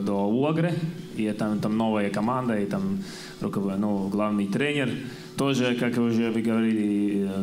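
Low-voiced man with a Latvian accent. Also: a little mellow. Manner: hesitant, searching for words. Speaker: panel guest, basketball coach. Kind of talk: halting interview answers in a second language. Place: stage in a church hall. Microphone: handheld microphone.

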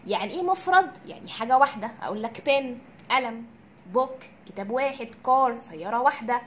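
Lively Egyptian woman teaching English. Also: a little high, slight background noise. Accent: Egyptian Arabic. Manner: drills words with slow repeated pronunciation; asks and answers her own questions. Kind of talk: recorded classroom lesson.

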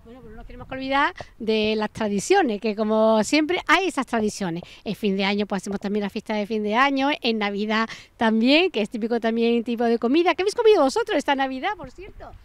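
A woman's voice: fairly high pitch, expressive, fast, hardly any pauses, no echo. A middle-aged woman interviewing a chef outdoors with a handheld mic, chatty and full of fillers. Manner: chatty, many fillers and restarts. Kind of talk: casual interview. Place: outdoor garden of a restaurant. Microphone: handheld microphone.

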